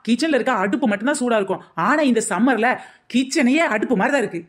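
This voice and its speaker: A sharp-tongued cartoon housewife fires sarcastic comebacks at her husband, as a woman acts her out. She talks quickly in a somewhat high voice and never stops needling. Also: close to an everyday voice. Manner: sarcastic, snappy retorts. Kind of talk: cartoon comedy voice acting.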